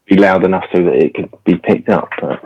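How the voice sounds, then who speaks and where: A man's voice: low-pitched, steady tone, brisk, slightly rough, no room sound. An English man on a remote call, sounding muffled as if talking in a bucket, chatting casually and joking. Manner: joking, laughs often. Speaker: podcast guest. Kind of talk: casual chat. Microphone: remote call on poor internet. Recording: dull muffled call audio.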